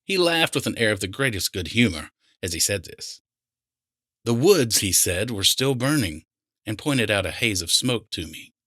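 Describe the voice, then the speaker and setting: A man's voice: on the low side, very animated, moderate pace, fairly bright tone, no room sound, studio quality. A man reading fiction aloud as a scripted audiobook narrator.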